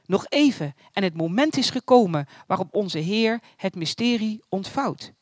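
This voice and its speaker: A male angel messenger speaks in hushed, reverent tones, put on by the narrator. This is a storybook reading with a dry, close sound. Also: mid-range voice, animated, moderate pace, dry recording, natural voice.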